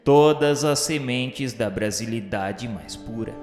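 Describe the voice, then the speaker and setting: A man's voice: medium pitch, takes it slowly. A man with a Brazilian accent reading scripted, literary radio narration in a solemn, grandiloquent, formal manner. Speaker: narrator of a religious radio novela. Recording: echoey hall-like reverb, music underneath. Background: music.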